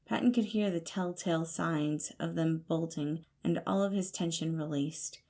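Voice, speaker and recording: A woman's voice: sits low, normal speed, a little mellow. A woman reading scripted fiction as the narrator of an audio story. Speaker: podfic narrator.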